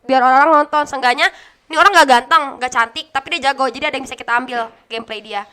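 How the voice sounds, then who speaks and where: A young woman talks as a podcast guest in a high, bright voice. She is chatty and blunt and laughs easily, and her tone stays smooth and clear throughout. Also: quick pace. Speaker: guest, esports caster and streamer. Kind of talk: casual podcast interview.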